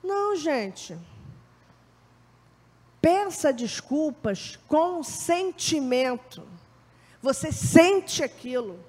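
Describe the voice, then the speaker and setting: Female spiritual leader, lively talk to her congregation, acts out the voices she quotes, echoing hall. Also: high voice, drawn-out words, pauses often. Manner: animated, acts out quoted voices, often asks "né?". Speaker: Umbanda spiritual leader giving a lecture. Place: temple hall. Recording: reverberant hall.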